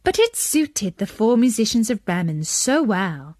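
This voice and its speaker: A woman narrating a children's story in an expressive, dramatic storytelling manner. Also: mid-range voice, measured pace, no room sound, studio quality.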